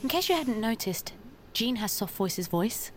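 A woman's voice: a little high, unhurried. A woman as an anxious people-pleaser. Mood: defiant. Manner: nervous, eager to please, squeals when excited. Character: anxious eager young woman.

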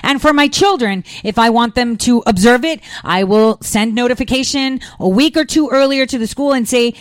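An American woman with a fairly high voice delivers political commentary in an emphatic, insistent way. She leans on fillers and rhetorical questions, and the recording is dry and close. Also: moderate pace, no room sound. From United States.

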